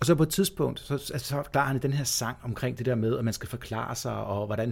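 A man with a medium-pitched voice and vocal fry speaks at a fairly quick pace with ordinary pitch variation. The recording is very clean, with a silent background. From Denmark, North Zealand (Holte). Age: middle-aged. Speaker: podcast host. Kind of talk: casual chat.

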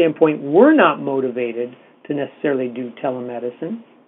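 Noticeable background noise sits behind a man with a fairly high pitch. He speaks at a moderate pace with ordinary pitch variation. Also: big swings in loudness. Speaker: hematologist-oncologist physician. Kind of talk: webinar presentation.

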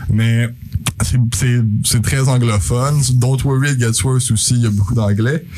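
A man with a medium-pitched voice speaks at a very slow pace with fairly even intonation, amid noticeable background noise and audible room echo. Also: very even loudness. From Quebec, Saint-Jean-sur-Richelieu. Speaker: rapper. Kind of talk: interview. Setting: studio.

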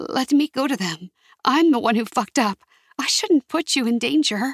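At a moderate pace, a shaky, female-sounding put-on character voice speaks in a high pitch.

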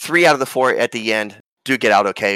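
A man's bright, sharp tone comes through dry and close, with no echo. He keeps a moderate pace and ordinary pitch variation. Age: 50s. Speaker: podcast guest, book fan. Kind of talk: casual chat.

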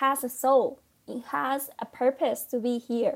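Speaking in a Spanish accent, a woman uses a high-pitched voice. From Puerto Rico, Rio Grande. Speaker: journalist. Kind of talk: casual chat.

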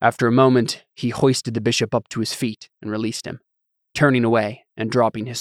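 A plain reading aloud with fairly even intonation, set against a quiet background.

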